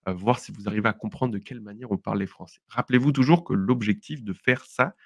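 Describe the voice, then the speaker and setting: A young man from southwest France co-hosting a casual podcast lesson, explaining expressions patiently, chatty and quick to laugh. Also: fairly low pitch, dry recording, lo-fi sound. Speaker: French teacher, podcast co-host.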